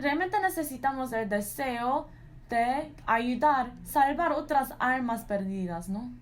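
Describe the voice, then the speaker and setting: A woman interpreting a Sunday sermon, earnest and full of restarts, often tagging her lines with a questioning "right?". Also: on the high side. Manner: earnest, with frequent restarts and "¿no?" tags. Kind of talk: live Spanish interpretation of a sermon.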